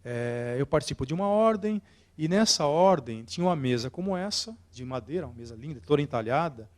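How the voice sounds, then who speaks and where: Expressive Brazilian man giving a lecture. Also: on the high side, a little fast. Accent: Brazilian Portuguese. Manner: expressive and theatrical, shifting loudness and acting out scenes. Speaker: oratory teacher. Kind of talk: live lecture to an audience. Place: lecture hall with a live audience.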